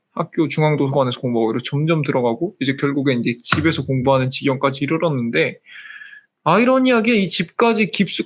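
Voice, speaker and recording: A 30-year-old man hosting a live stream, chatting casually with viewers and slipping between polite and informal speech. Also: on the high side.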